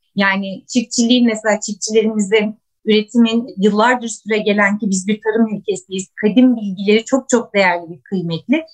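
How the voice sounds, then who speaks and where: A woman with a fairly high, somewhat breathy voice speaks at a moderate pace with fairly even intonation and hardly any pauses, in a dry, close sound with no echo. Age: 40s. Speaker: asparagus farmer, former corporate employee. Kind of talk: casual interview chat.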